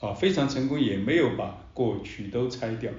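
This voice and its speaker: Through audible room echo and noticeable background noise, a man speaks with lively intonation and a strong Sichuan accent. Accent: thick Sichuan accent in Mandarin. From Sichuan, Chengdu. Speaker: history professor. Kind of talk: interview.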